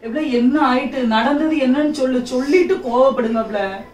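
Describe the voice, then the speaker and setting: A woman's voice: sits high, a little fast, a little mellow, close to an everyday voice. A woman playing a tired, teasing husband with a Tirunelveli Tamil accent, pleading again and again with his wife in an amateur family skit. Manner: pleading, repeats his question over and over. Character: weary teasing husband, middle-aged man. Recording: echoey room, mic far off.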